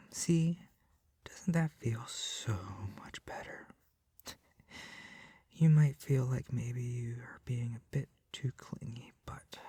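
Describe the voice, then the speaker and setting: A soft, breathy young yandere , acted by a man in an ASMR roleplay, mid-pitched and very close in a dry space. He is doting and clingy, coaxing with earnest, awkward sweetness and often sinking toward a whisper. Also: no room sound. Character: lovestruck, doting young male yandere kidnapper, clingy and tender. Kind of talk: ASMR roleplay, intimate second-person acting. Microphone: close microphone, dry.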